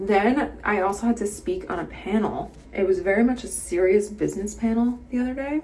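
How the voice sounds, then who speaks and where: Through noticeable background noise and audible room echo, a woman at medium pitch speaks fairly quickly with hardly any pauses. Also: ordinary pitch variation. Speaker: lifestyle vlogger. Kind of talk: casual vlog talking to camera.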